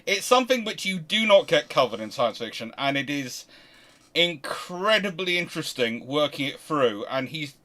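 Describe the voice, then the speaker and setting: A man's voice: a little high, big pitch swings, normal speed, pushed and bright. A man hosting a casual history livestream, talking in an effusive, rambling way. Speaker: host of a naval history livestream.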